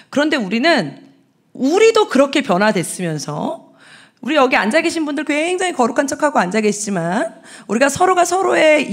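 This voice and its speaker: A woman evangelist in her forties giving a lively, humorous seminar talk to Sunday school teachers in a church, acting out voices as she goes. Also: fairly high pitch.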